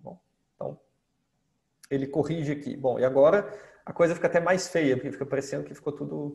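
Against a quiet background, a man speaks. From Brazil, Minas Gerais. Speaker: physics professor. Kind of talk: lecture. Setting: video call. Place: home room. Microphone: webcam.

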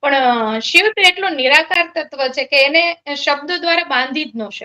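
A woman's raised, projected voice with lively intonation. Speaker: religious storyteller. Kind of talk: interview.

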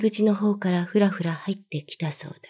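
This woman has a dark, mellow tone at medium pitch. Her intonation stays fairly even. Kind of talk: ghost story reading.

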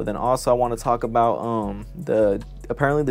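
The man's intonation stays fairly even, with faint music in the background. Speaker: sneaker vlogger. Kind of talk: casual vlog chat. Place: home room. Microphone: lapel.

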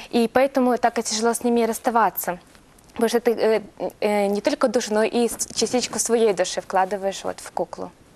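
In an ordinary speaking voice, a woman talks at a fairly quick pace and fairly high pitch, with fairly even intonation but big swings in loudness. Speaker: doll maker; guest. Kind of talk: TV interview. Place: studio.

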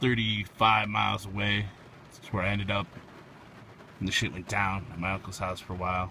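Against noticeable background noise, a man speaks at a fairly quick pace in a very deep, low voice with monotone, flat intonation and a dry sound with no echo. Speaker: store worker vlogger. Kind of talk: casual vlog chat. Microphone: phone near.

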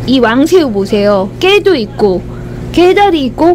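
Music plays behind a woman speaking at a fairly slow pace. Her high voice makes very wide pitch swings. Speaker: food vlogger. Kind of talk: casual vlog chat. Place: cafe. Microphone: phone near.

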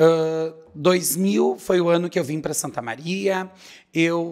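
A man's fairly high voice with fairly even intonation, over a quiet background. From Itaqui, Rio Grande do Sul, Brazil. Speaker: city councillor. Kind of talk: political interview. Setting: studio. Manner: halting. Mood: earnest, emotional life story. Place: studio. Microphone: podium.

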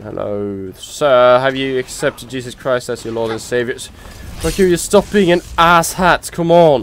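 A medium-pitched man with lively intonation at a moderate pace, hardly any pauses, and noticeable background noise. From Norway. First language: Norwegian. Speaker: gaming YouTuber. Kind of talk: let's play gameplay commentary. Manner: halting.

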